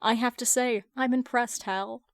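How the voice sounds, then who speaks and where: A woman's voice: fairly high pitch, fairly even intonation, unhurried, dry recording, studio quality. A woman voicing a confident, teasing businesswoman who is sweetly nonchalant and smug, in a fan fiction reading.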